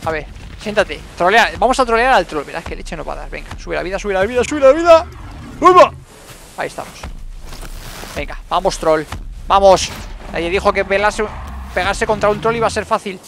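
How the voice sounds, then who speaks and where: Brief: high-pitched man with a gravelly edge, calling out gameplay in excited repeated bursts, faint game noise behind. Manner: excitable, repeats words in rapid bursts, talks to himself. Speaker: gaming YouTuber. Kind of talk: live gameplay commentary.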